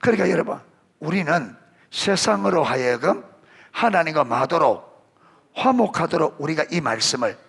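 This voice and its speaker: A middle-aged man preaching, his voice gravelly and a touch husky, rising and falling across a wide range. He keeps firing questions at his listeners and calls children out by name to answer. The delivery is a warm, conversational sermon. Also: on the high side, normal speed. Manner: animated, rising emphasis on scripture. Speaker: pastor.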